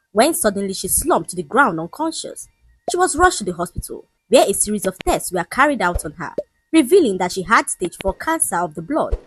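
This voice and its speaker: A woman narrating a scripted story in a dramatic, expressive way. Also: medium pitch, husky, no echo, rough recording.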